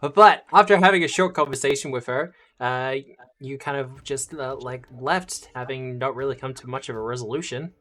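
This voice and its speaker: A man's voice: mid-range voice, moderate pace, a bit bright. A man as game master, recapping the last tabletop session in a chatty way with laughing asides.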